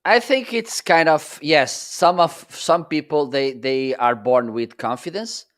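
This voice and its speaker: A middle-aged man with a Portuguese accent, a native Portuguese speaker, chatting casually as a guest on a live stream over a video call, laughing often and phrasing haltingly. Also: a little high, fairly bright tone.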